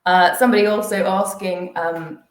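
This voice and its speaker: Low-voiced woman presenting to investors, echoey. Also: steady tone, moderate pace. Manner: hesitant, many fillers and restarts. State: losing her voice. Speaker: company executive presenting to investors.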